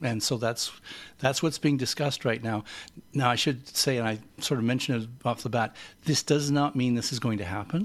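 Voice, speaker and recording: A man with a normal speaking voice talks at a medium pitch with fairly even intonation against a quiet background. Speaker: podcast co-host. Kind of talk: casual chat.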